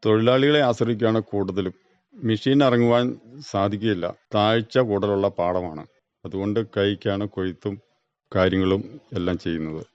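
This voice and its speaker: A man from Kerala with a local accent and a fairly low voice answers interview questions as a farmer. He keeps his replies short and factual. The recording is dry and somewhat muffled. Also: moderate pace, darkish tone, clear, resonant tone, no echo. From Kerala, India. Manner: brief, plain, matter-of-fact answers. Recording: dull, band-limited dry radio recording.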